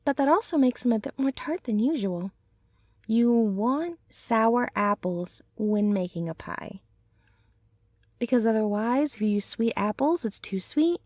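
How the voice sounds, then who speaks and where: Woman as a soft, slow-talking gentle centaur girlfriend. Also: fairly high pitch, animated, no room sound, clean studio sound. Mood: gentle, chatty. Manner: soft, tender, unhurried, rambling. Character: gentle, affectionate young centaur girlfriend, chatty home baker. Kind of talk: ASMR roleplay, soothing recipe ramble.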